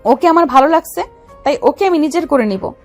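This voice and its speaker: A woman's voice: high voice, expressive, a little fast, soft background music. An actress playing a young, possessive female mafia don who speaks in a domineering, teasing way in an audio drama. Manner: domineering, teasing, calls him baby.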